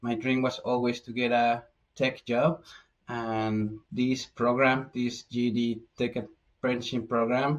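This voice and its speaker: Speaking in a Spanish accent, a man uses a medium pitch and flat, monotone intonation at a fairly slow pace. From Mexico. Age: 20s. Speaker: tech apprentice. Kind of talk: interview. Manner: halting.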